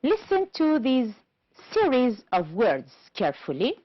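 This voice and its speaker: Slow, lively-voiced woman teaching English. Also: fairly high pitch, dry recording. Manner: slow, deliberate explaining with rising checks. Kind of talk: televised classroom lesson. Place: TV studio. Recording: dull, lo-fi dry studio sound.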